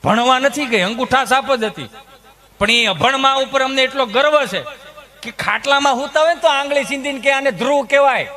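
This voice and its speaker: A man with a Kathiawadi Gujarati accent telling comic stories in a stand-up set, animated and mimicking the people in them. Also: very high voice, moderate pace. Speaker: stand-up comedian. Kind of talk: stand-up comedy storytelling.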